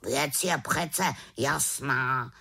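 A woman voicing a wise, grumbling male raven in a storybook reading, with a croaking, lecturing manner. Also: a bass voice, pushed and bright, full character voice. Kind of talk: audiobook character reading.

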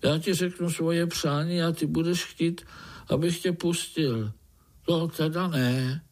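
A man's voice: a little high, steady tone, pitched above the performer's own voice, close to an everyday voice. A man voicing a little spider boy who is boastful yet easily startled. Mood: wary. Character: little spider boy, proud but lonely.

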